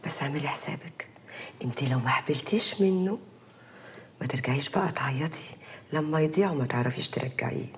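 A middle-aged actress with an Egyptian accent playing a blunt, dismissive aunt who talks brusquely. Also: female voice, mid-range voice, fast talker, darkish tone, a little hiss or hum, close to an everyday voice. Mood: brushing off. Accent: Egyptian Arabic. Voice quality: brusque, offhand. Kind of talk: TV drama acting.

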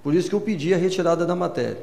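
A man, a city councillor, making a measured, conciliatory remark in a council chamber. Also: high voice, lively intonation, creaky, warm tone. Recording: echoey hall with long reverb.

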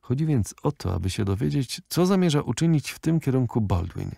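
A man's voice: mid-range voice, very animated, brisk, vocal fry, warm tone, no room sound, studio quality, voice pushed up. Man voicing a haughty old aristocratic lady. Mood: explaining. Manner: stiff, disdainful, lecturing.

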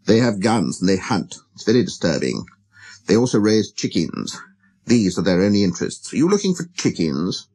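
Man voicing a low, wistful storybook fox. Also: big pitch swings, normal speed, warm tone, husky. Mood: solemn, wary. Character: lonely, gentle, wistful wild fox. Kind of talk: storybook character reading.

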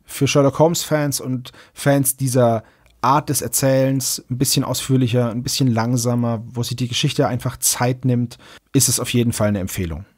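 A man hosting a podcast, speaking in a conversational way with a slightly husky voice. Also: mid-range voice, fairly even intonation, moderate pace. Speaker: podcast host. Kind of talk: casual podcast chat and announcements.

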